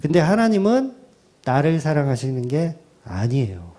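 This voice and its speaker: A man's voice: fairly high pitch, normal speed. A middle-aged male pastor preaching a sermon, who acts out quoted prayers and repeats key phrases for emphasis. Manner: animated preaching, acting out quoted prayers and replies.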